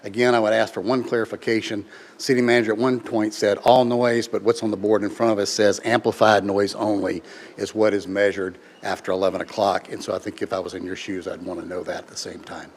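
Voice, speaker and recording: A man giving a formal, argumentative public comment at a meeting in a measured, lawyerly way. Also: fairly low pitch, little pitch movement, slight background noise. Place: public meeting room, speaking at a microphone.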